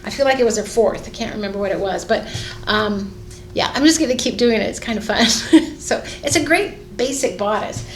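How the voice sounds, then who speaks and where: A woman's voice: a little high, a little fast, a little hiss or hum. Chatty middle-aged woman in an echoey sewing room. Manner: chatty, rambling, many fillers and restarts. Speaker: fashion designer and sewing vlogger. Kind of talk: casual chat while sewing. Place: sewing studio indoors. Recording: echoey room with faint ambience.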